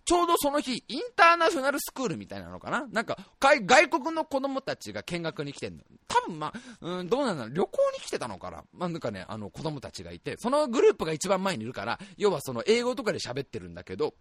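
A man hosting a podcast radio show, telling a funny story in an excitable, exaggerated comic way into a close mic. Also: high-pitched, quick pace, hardly any pauses, no echo.

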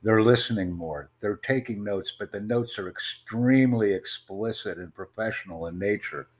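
A man with a very deep, low voice hosts an online chat. He speaks in measured, formal sentences, pitching his ideas like a presentation. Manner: formal, promotional, measured delivery. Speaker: host of online conversation. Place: in the United States.

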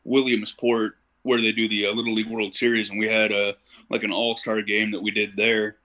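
A man's voice: on the low side, flat delivery, a little fast, sharp tone. A young man from Ohio, a podcast guest, chatting casually and telling stories in an easygoing way with plenty of "you know.". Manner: easygoing storyteller, uses fillers like "you know". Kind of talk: casual interview chat.

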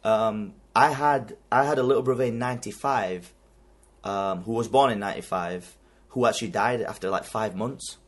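A young man in his twenties, born in Pakistan with Urdu as his first language, telling a story in an animated, slangy way on a podcast. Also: lowish voice, normal speed. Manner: animated slangy storytelling, heavy use of "like" and "bro". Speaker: podcast host. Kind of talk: casual chat.

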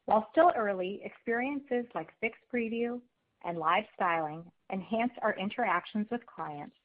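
A woman speaks through a thin, phone-like conference line. She reads prepared business remarks as a company executive, keeping a formal, measured delivery at a medium pitch. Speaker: company executive presenting on an earnings call. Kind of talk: scripted corporate presentation.

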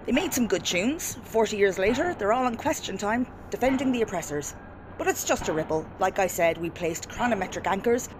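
An actress playing a dry, matter-of-fact time police officer in a comedy audio drama, explaining things plainly. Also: female voice, mid-range voice, expressive, brisk, noisy background, natural voice.

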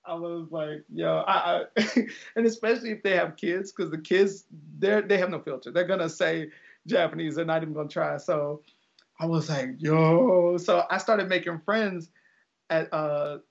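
Young guy rambling in a chat, kinda high voice, lots of likes and ums. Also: moderate pace, creaky. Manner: relaxed, rambling, many fillers and restarts. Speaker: interview guest, English teacher in Japan. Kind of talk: casual conversational interview. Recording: dull lo-fi audio.

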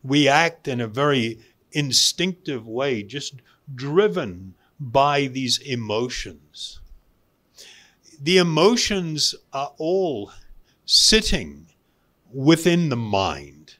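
A man giving a spiritual self-help talk as a meditation teacher, deliberate, with emphatic pauses and repeated phrases. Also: mid-range voice, sing-song, pushed and bright.

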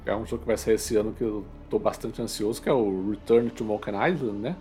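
A man's voice: fairly low pitch, quick pace, mellow, soft background music. A Brazilian man co-hosting a podcast, chatting in an informal, colloquial way about games. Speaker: podcast co-host. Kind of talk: casual chat about video games.

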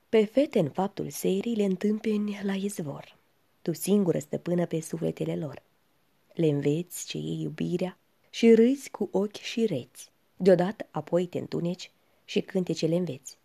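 Woman reading poems real slow and hushed, breathy husky voice, kinda mellow. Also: on the low side. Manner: slow, hushed, often sinking to a whisper. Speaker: reader. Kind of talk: poetry recitation.

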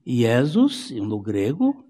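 A man teaching a Bible study sermon, explaining slowly and repeating key phrases for emphasis. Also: mid-range voice, wildly swooping pitch, mellow, breathy edge, in a large hall. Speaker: preacher.

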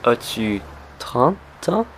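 A man hosting a language lesson, speaking slowly and deliberately and repeating simple phrases for learners. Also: medium pitch, very animated, fairly bright tone, slight background noise. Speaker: language teacher. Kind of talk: slow scripted language lesson.

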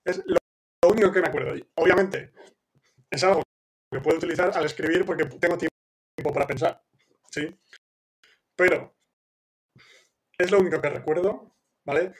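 A man's voice: fairly high pitch, fairly even intonation, moderate pace, long pauses, breathy edge. A man who speaks Spanish as his first language, hosting a live question-and-answer session, thinking aloud with many restarts and fillers and checking in with his listeners.

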